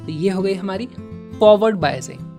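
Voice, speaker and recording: A man teaching physics and walking through exam problems in a lively way. He stresses key words and mixes in English terms. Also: high-pitched, moderate pace, music in the background.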